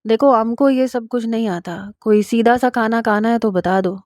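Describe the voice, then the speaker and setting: A woman voicing a blunt young Pathan husband who talks in a gruff, plain way with a Pashtun-accented Urdu. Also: fairly high pitch, darkish tone, no room sound, clean studio sound, lightly acted.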